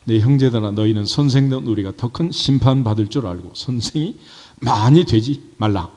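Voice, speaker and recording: A man's voice: mid-range voice, moderate pace, warm tone. A male pastor preaching a sermon, talking conversationally and tossing rhetorical questions to his congregation. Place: church sanctuary. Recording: reverberant church hall.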